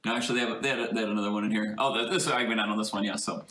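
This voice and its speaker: A man's voice: fairly low pitch, fairly even intonation, very fast, a bit bright. A man, a Catholic priest, chatting on a video call and laughing easily. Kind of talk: casual chat on a video call. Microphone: computer mic on a video call. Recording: distant echoey call audio, faint noise.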